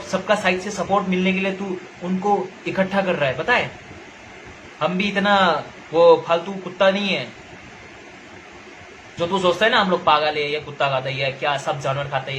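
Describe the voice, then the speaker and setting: Young man ranting, high voice. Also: a bit bright, slight background noise, low-quality recording. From Nagaland, India. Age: young adult. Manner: confrontational, lecturing, repeats himself. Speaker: social media commentator. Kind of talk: angry direct-to-camera rant.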